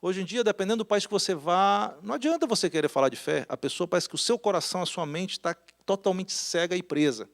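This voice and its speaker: A man's voice: high voice, expressive, fast talker, creaky, hardly any pauses. A man preaching a sermon in a church, talking with the congregation and putting questions to them. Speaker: pastor. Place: church hall.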